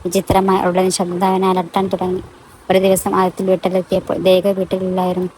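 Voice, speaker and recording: A woman narrating a romantic audio story in a calm, measured way. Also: on the low side, slight background noise, low-quality recording.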